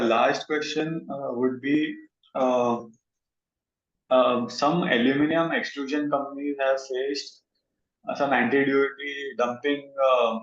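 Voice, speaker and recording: A man with an Indian accent asking questions as an analyst on a conference call, with halting, hesitant phrasing. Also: medium pitch. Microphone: conference call line. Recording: roomy, dull conference-call line.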